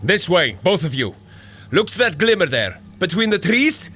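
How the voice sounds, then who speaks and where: An actor playing a heroic, good-humoured thunder god in an audio drama, speaking in a grand, deliberate manner. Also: male voice, high-pitched, big pitch swings, pushed and bright, slight background noise, heavily acted. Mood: rallying. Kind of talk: scripted audio drama acting.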